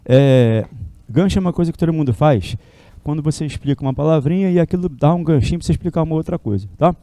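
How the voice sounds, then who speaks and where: Dark-voiced chatty male teacher. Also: on the high side, fast talker, no echo. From Brazil. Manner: chatty, keeps asking students tag questions. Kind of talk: classroom lecture. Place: classroom with a whiteboard.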